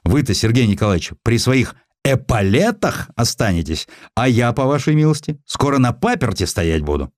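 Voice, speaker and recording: A man's voice: mid-range voice, sing-song, moderate pace, few pauses, dry recording, pitched above the performer's own voice, close to an everyday voice. A gloomy businessman in an audiobook of historical tales, acted by a male narrator, grumbles and pleads over money. His lines swing up and down in a plaintive, aggrieved way, recorded very dry. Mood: aggrieved, worried. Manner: complaining, plaintive.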